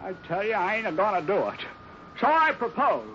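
An actor playing a flustered, gullible cowboy bachelor with a rural Western American accent, stammering in folksy 1950s comic radio style. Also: male voice, high voice, huge pitch swings, brisk, bright, forceful tone, exaggerated voice. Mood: indignant. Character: bumbling, flustered cowboy bachelor, gullible tall-tale teller. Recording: dull, slightly noisy 1950s radio recording.

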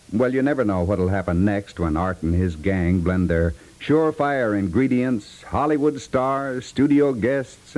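A man's voice: fairly low pitch, darkish tone, rough recording. A man with an American accent reading scripted promos and credits as a 1950s network radio announcer. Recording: vintage 1950s radio recording.

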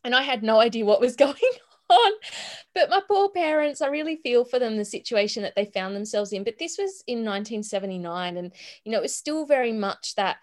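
A woman's voice: a little high, animated, fairly quick. A woman in her forties with an Australian accent, a chatty guest on a remote interview who laughs often and restarts her sentences. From Sydney, Australia. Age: 40s. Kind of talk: conversational interview.

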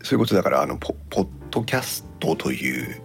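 A man hosting a podcast in casual chat, explaining things haltingly in polite but relaxed speech. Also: very deep voice, faint music behind. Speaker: podcast host.

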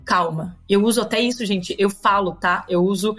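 A woman's voice: medium pitch, brisk, faint music behind. A woman teacher and parenting educator with a Brazilian Portuguese accent, talking animatedly in a podcast interview and often turning to the listeners. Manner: animated, keeps addressing listeners, acts out quotes.

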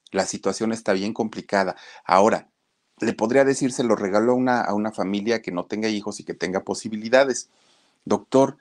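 A man's voice: medium pitch, natural voice. A man voicing a poor, desperate pregnant woman who begs for help. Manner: pleading, begging.

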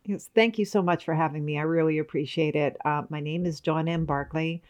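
A woman's voice: sits low, fairly even intonation, a little fast, a little mellow. A woman guest on a podcast, explaining things steadily and informatively, with a few hesitations. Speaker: guest, travel writer. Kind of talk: interview answers.

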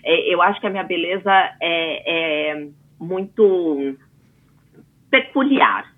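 A chatty woman in her forties from Brazil tells stories with lots of asides, her voice a little husky. The sound is thin and tinny, like a phone line. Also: lowish voice, takes it slowly. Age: 40s. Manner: chatty, animated storyteller with frequent asides. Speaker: interview guest. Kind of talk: casual interview talk.

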